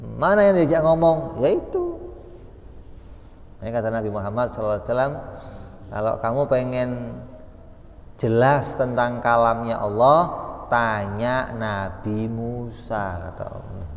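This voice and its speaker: A man's voice: medium pitch, normal speed, vocal fry. A man giving an Islamic study lecture in a conversational way, asking questions and answering them himself. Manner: conversational, asks and answers his own questions. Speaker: religious teacher. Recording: long reverb in a hall.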